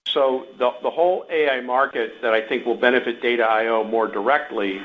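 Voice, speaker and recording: A man's voice: mid-range voice, a little fast. A man speaking as a company executive on an earnings call, explaining things to investors with examples. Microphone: conference call line. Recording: dull conference call audio with hum.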